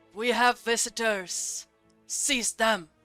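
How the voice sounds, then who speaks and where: A booming, female-sounding voice in a put-on character voice speaks at a fairly high pitch over faint background music. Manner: commanding, alarmed.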